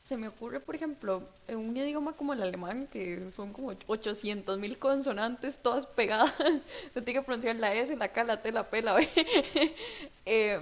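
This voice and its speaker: A woman's voice: on the high side, moderate pace. A woman interviewer asking curious questions over a video call, thinking aloud as she goes.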